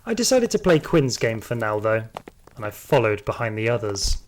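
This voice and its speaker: A man's voice: lowish voice, sing-song, moderate pace, slight background noise, rough recording. A man playing a hardened, trigger-happy security guard, telling his story in dramatic first-person audio drama narration. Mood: defiant.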